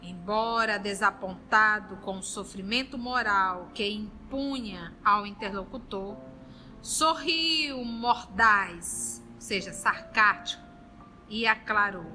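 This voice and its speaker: A woman leading a study group, chatting warmly and then reading a novel aloud. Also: medium pitch, takes it slowly, soft background music. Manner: warm, chatty and lively between passages.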